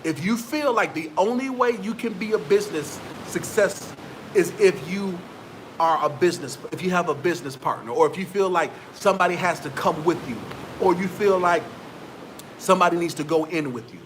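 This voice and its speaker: A man's voice: high-pitched, normal speed, a little hiss or hum, rough recording. A man, giving motivational business advice straight to his viewers in a preachy, repetitive way. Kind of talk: motivational talk to camera.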